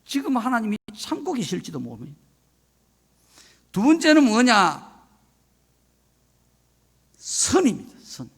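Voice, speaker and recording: A man's voice: very high-pitched, wildly swooping pitch, a little slow, pauses often, fairly bright tone, breathy edge. An older man, a retired senior pastor, preaching a solemn, emphatic sermon of warning.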